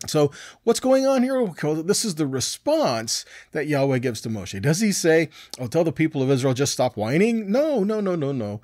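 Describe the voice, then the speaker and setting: A man in his forties teaching scripture in a conversational, animated sermon style. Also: a little high, moderate pace, no room sound. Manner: conversational, animated, frequent "right?" and "okay?" tags. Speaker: Bible teacher.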